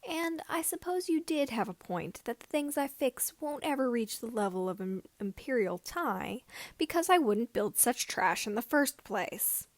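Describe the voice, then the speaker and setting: A woman voicing a cocky, deadpan teenage boy mechanic who hosts scrap-repair videos in a sci-fi story. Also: a little high, a little slow, dry recording. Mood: dry, boastful.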